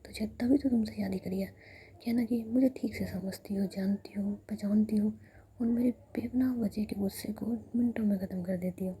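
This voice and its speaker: A woman's voice: medium pitch, fairly even intonation, normal speed, dark tone, slight background noise, natural voice. A woman whispering the lines of a short-tempered, irritable young woman, curt and grumbling. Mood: tender.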